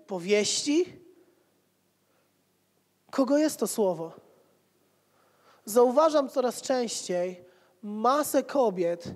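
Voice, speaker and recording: A man's voice: extremely high pitch, a little mellow. A man, preaching a sermon as pastor with rhetorical repetition and casual asides, holding a mic. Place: church hall with pews. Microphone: handheld mic. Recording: reverberant church hall.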